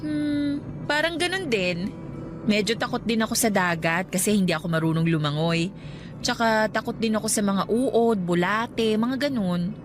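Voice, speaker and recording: A woman playing a playful, expressive young woman in a radio romance drama. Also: mid-range voice, normal speed, close to an everyday voice. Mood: relaxed, chatty. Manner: teasing, girlish, expressive exclamations. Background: music.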